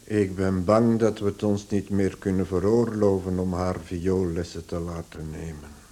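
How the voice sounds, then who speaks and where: A man acting a middle-aged, authoritative father in a radio play, speaking deliberately and formally. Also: sits low, flat delivery, dark tone. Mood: stern, resigned. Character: authoritative bankrupt father, measured head of household.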